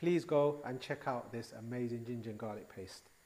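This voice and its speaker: At a fairly quick clip, a man talks. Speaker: presenter. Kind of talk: tutorial. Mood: warm, enthusiastic.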